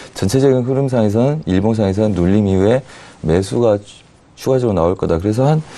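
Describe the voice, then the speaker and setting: The pace is fairly quick. Its pitch variation is ordinary. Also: man. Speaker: futures trading analyst. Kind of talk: market analysis on TV. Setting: TV studio. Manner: fast.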